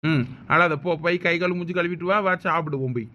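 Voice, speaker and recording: A man's voice: very high-pitched, a little fast, pushed and bright, slight background noise. A man voicing a stern but doting village father in a cartoon, with a Thoothukudi Tamil accent. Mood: coaxing. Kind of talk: cartoon voice acting.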